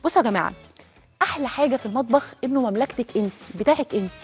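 A woman's voice: on the high side, lively intonation, racing, slightly rough, faint music behind. A woman with an Egyptian accent hosting a cooking show, chatting directly to viewers as she cooks. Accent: Egyptian Arabic. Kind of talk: cooking demonstration.

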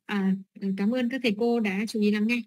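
A woman's voice: on the high side, fairly even intonation, brisk, a little mellow. A middle-aged woman training teachers, explaining lesson steps with many fillers and "right?" checks.

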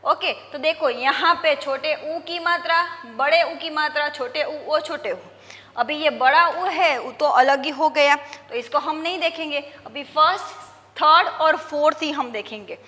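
Teaching young pupils, this woman moves through the lesson at an unhurried, patient pace and mixes in English words. She pitches high, her tone is sharp, and a long reverb tail trails after her.

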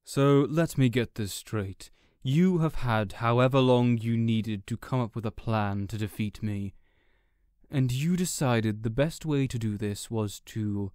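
Guy acting as smug supervillain, clean smooth voice, very dry close sound, talks down to everyone, audio rp. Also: fairly low pitch, darkish tone, no room sound. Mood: smug, cold. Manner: deliberate, condescending, theatrical monologuing. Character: smug, contemptuous male supervillain gloating over a beaten rival. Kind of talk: audio roleplay villain acting.

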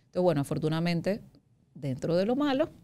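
Woman in her 30s, really low pitch and a warm, mellow tone, chatting openly as a guest, lots of "o sea" loops. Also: very animated, a little fast. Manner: frank, talks in long loops with many "o sea" asides. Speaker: interview guest. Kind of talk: candid conversational interview.

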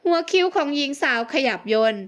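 A woman narrating a romance audiobook in a steady, expressive reading. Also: high-pitched, a little fast. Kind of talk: scripted narration.

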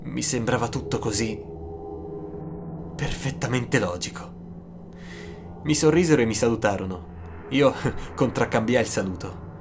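A man narrating a scripted first-person horror story, with dramatic, suspenseful pauses. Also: medium pitch, noisy background. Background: music.

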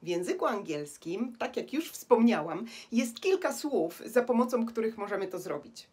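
A woman from Poland teaching an English lesson, reading example phrases slowly with clear stress on key words. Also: a little high, animated, a little mellow. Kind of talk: language lesson narration.

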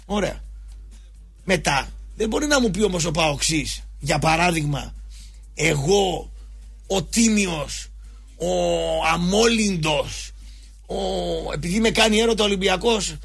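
A man with a very husky, gravelly voice holds forth on a sports show. He talks in an emphatic, colloquial way, full of restarts and mock quotes, and faint music plays behind him. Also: sits high, a bit bright. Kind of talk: rambling football commentary monologue.

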